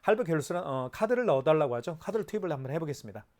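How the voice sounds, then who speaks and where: A man's voice: a little high, lively intonation, very fast, darkish tone. A man presenting a product in a hands-on tutorial, explaining step by step in an instructive way with rhetorical questions.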